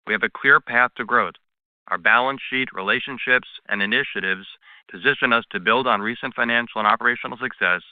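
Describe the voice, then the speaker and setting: A man, a chief executive, reading scripted closing remarks formally and deliberately on an earnings conference call. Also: medium pitch, smooth, no room sound. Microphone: conference call line. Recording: dry, narrow phone conference line.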